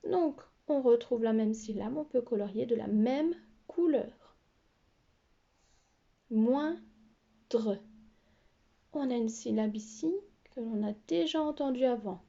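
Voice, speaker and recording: A woman teacher giving a slow, careful phonics lesson to young pupils, spelling out letters and syllables. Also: a little high, creaky, dark tone, highs cut off. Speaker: primary school teacher.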